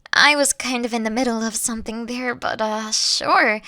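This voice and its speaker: A woman playing a caring, affectionate boss in an intimate audio roleplay, coaxing and gently teasing, at times dropping to a near-whisper. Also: on the high side, fairly even intonation, normal speed, no echo, studio quality. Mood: fond, patiently exasperated. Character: caring, doting older female boss courting her sweet employee.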